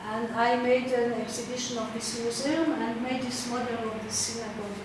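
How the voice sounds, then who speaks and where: Heard from a distance in a noisy, echoing hall, this older artist from Czechoslovakia, a native Hungarian speaker, walks through slides of her work at an exhibition opening. Her voice sits on the high side with fairly even intonation, and she stumbles along with many fillers, hunting for words.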